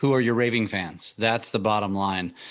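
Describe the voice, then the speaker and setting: The pace here is moderate. It's a normal speaking voice. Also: man. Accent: American. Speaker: podcast host. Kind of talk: casual interview, ad reads.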